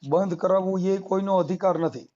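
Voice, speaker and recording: A man's voice: sits high, steady tone, moderate pace, warm tone. A man with a Gujarati accent argues heatedly on a phone call, insistent and combative, pressing his points with repeated rhetorical questions. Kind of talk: heated argument over the phone. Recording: muffled lo-fi phone call recording.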